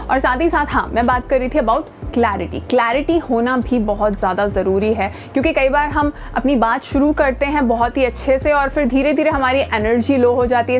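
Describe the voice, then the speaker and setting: An Indian woman giving an informal lesson as a voice coach, speaking conversationally and emphatically, with English words mixed in. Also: a little high. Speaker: voice coach and video host. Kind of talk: informal instructional talk to camera. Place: outdoors near the speaker's home.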